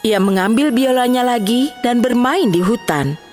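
A woman telling a children's bedtime tale in a clear, lively storytelling voice. Her pitch rises and falls a lot as she narrates. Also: normal speed, soft background music.

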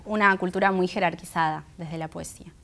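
Low-pitched Buenos Aires woman, Guaraní native. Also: steady tone, brisk, gravelly, a bit bright. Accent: Buenos Aires Argentine. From Argentina, Buenos Aires area. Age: 30s. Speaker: interview guest, singer and poet. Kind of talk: reflective personal interview. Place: indoor auditorium stage. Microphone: clip-on lapel microphone.

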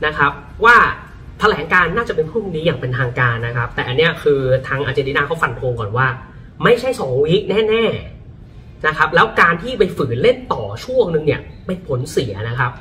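A man talking about football in a casual, lively way, often breaking into exclamations. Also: fairly high pitch, distant mic. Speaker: football pundit. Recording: voice a bit off-mic, faint music behind.

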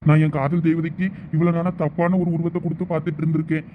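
A young man voicing a village husband and his teasing friend in a comedy drama, with quick chatty banter and worried asides. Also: on the high side, little pitch movement, phone-quality sound, a little hiss or hum, close to an everyday voice.

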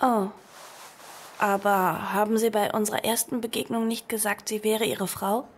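A woman's voice: medium pitch, level tone, normal speed, breathy edge. An actress playing an earnest, frightened girl on the run in a horror audio drama, both narrating and in dialogue. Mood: timid, weary.

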